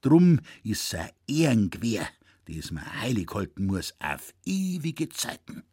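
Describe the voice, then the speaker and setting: Bent old Bavarian woodsman, read by a man, quavering, plaintive, with a husky dry voice. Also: on the low side, a little slow, no echo, exaggerated voice. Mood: earnest. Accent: Bavarian dialect. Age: older. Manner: complaining, then effusive and excited. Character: stooped old Bavarian hunter, frail and lamenting.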